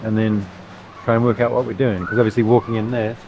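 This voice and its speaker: A man's voice: lowish voice, little pitch movement, fast, gravelly. A man in his thirties chatting casually to a handheld camera as a travel vlogger, rambling with lots of fillers, first on a bus and then at an open-air eatery. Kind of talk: casual vlog narration to camera. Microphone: handheld camera at arm's length. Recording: muffled, with loud rain and traffic noise.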